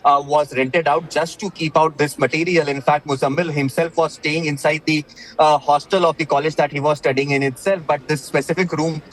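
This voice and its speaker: A man with an Indian accent reporting breaking news live, haltingly, with repeated words and many filled pauses. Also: a little high, fairly even intonation, low-quality recording.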